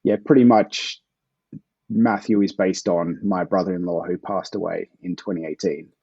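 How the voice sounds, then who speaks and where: A man's voice: sits low, steady tone, moderate pace, gravelly, warm tone, husky, no echo, lo-fi sound. An Australian man being interviewed as a guest author, answering in a laid-back way with frequent chuckles.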